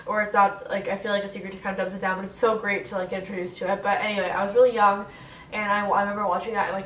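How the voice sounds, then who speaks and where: On her bed in a bedroom, a young woman in her twenties answers Q&A questions casually to camera, her congested nose making her sound nasal, with lots of "like" fillers. The mid-range voice is fairly bright, but the audio is poor, echoey and distant with a little hiss or hum.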